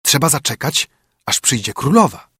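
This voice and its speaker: A man's voice: mid-range voice, big pitch swings, moderate pace, a bit bright, husky, no echo, studio quality, exaggerated voice. A man voicing a cautious male wolf, warning his companion in a storybook reading. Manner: warning, careful.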